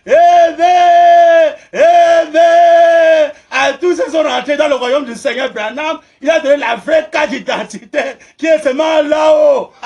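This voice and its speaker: A man preaching a sermon, laughing through his words, mocking and shouting amens. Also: very high-pitched, dull audio.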